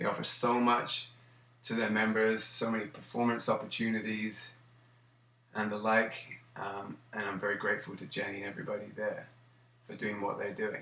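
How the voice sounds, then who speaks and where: With audible room echo, a man with an English accent speaks at a moderate pace in a fairly low pitch, his intonation monotone and flat. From southern England, Salisbury; southern England. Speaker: guitar and ukulele instructor; music teacher. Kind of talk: informal talk and demonstration. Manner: casual, with many fillers. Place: home room. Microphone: camera far.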